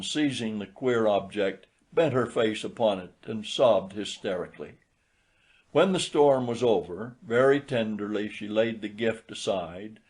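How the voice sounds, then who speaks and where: Measured male storyteller. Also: on the low side, a little mellow. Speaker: audiobook narrator. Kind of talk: scripted literary story narration.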